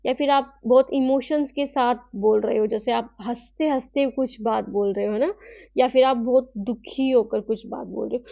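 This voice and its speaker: Female online teacher, high voice, dry and dull lo-fi audio, patient explainer. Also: steady tone, gravelly, warm tone, dry recording. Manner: explains slowly, reads English lines then explains in Hindi; asks rhetorical questions, tag "है ना". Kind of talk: online class lecture.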